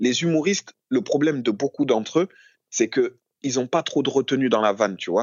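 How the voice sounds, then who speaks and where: The intonation sounds lively. Its pace is moderate. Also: man, medium pitch for a man. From France, Bordeaux. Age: 30s. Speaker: podcast guest. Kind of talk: casual chat. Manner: halting; loud laugh.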